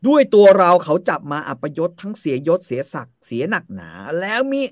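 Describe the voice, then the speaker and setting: A man voicing a humiliated, bitter captive prince who declaims loudly in anguish. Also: sits high, sing-song, moderate pace, dry recording, studio quality, pitched above the performer's own voice, heavily acted.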